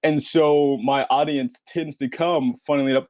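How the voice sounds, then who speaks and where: A man's voice: mid-range voice, fairly even intonation, normal speed, no echo, dull audio. A man speaking as a podcast creator on a panel, answering conversationally and acting out short quotes as he tells stories. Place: remote online panel.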